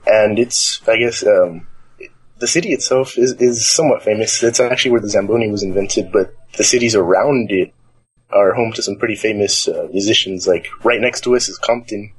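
In a nearly empty library, a young adult guest from the LA area of California rambles through a casual interview chat. He speaks at normal speed in a husky, fairly low-pitched voice, captured on poor audio.

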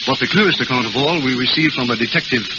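An actor as a brisk, courteous official. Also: male voice, mid-range voice, natural voice. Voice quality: courteous, insistent. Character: polite male foundation representative, eager and insistent. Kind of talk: 1940s radio acting. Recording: muffled old radio recording with loud hiss.

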